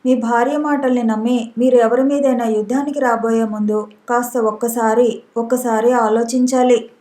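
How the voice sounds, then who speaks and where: Proud young guy talking calm and restrained, woman reading him, mellow tone, echoey room. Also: a little high, moderate pace, close to an everyday voice. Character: educated young man, proud but regretful. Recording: roomy echo.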